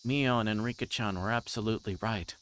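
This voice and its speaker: A man livestreaming a visual novel, reading story text aloud and adding halting, informal asides. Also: on the low side, a bit bright. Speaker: streamer playing a visual novel. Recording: clear background noise, insect-like ambience.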